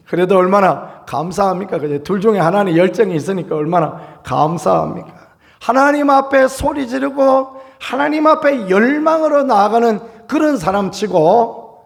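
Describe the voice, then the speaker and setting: Male pastor, high and gravelly, preaching an earnest dawn sermon. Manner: earnest preaching, rising into emphatic calls; acts out quoted cries with raised voice. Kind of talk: early-morning sermon.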